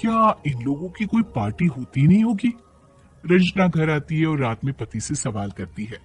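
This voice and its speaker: Man narrating a story, lively pitch, fairly high voice, wry asides. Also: moderate pace, soft background music.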